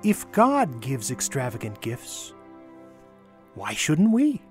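A man voicing a small, romantic, earnest mother in a storybook reading, with slow, emphatic tenderness. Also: mid-range voice, wildly swooping pitch, a little mellow. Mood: gently insistent. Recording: music under the voice.

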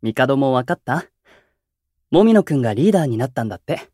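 Calm, gentle young idol peacemaker. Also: male voice, mid-range voice, fairly quick, no room sound, studio quality. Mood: friendly. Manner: soft-spoken, composed, polite and reflective. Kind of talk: Japanese anime-style voice drama acting.

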